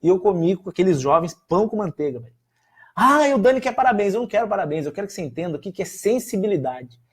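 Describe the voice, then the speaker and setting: A man's voice: sits high, racing, husky. A man, a pastor with a Brazilian Portuguese accent, talking casually and emphatically to his viewers. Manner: animated, emphatic, scolding.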